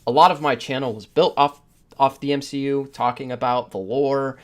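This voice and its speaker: A man's voice: medium pitch, fairly even intonation, moderate pace. A man hosting a podcast in casual discussion, rambling through his opinions with the odd chuckle as he talks. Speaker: podcast host.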